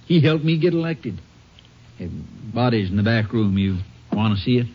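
An actor playing a plain-spoken, uneasy small-town Texas sheriff in a 1950s western radio drama. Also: male voice, medium pitch, expressive, moderate pace, lightly acted. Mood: subdued, uneasy. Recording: muffled, noisy old radio recording.

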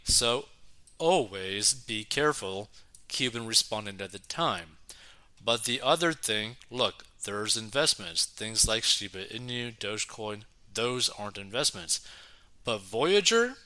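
A young man reading a news article aloud and breaking off to react with excitement, filling his talk with "like" and "right?". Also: mid-range voice, measured pace. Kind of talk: casual news reaction commentary.

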